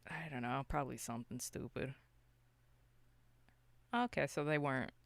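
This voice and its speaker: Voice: medium pitch, moderate pace, vocal fry, fairly bright tone, no room sound. A podcast co-host chatting casually about films in a loose, rambling, unscripted way. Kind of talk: casual unscripted film discussion.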